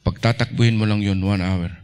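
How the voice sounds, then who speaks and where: A middle-aged man from the Philippines, a pastor preaching a lively sermon in a church and acting out little everyday scenes. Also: fairly low pitch, a little fast, smooth.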